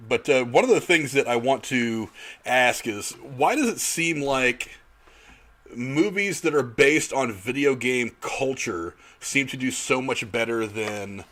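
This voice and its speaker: A man's voice: medium pitch, unhurried, a bit bright. A man hosting a casual panel discussion, addressing guests and viewers. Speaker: host.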